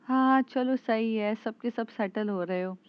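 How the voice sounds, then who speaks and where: A woman voicing a cheeky young female best friend who teases loudly and playfully, in a muffled lo-fi recording. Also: a little high, measured pace, clean tone, lightly acted. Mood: teasing. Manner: teasing, loud and playful.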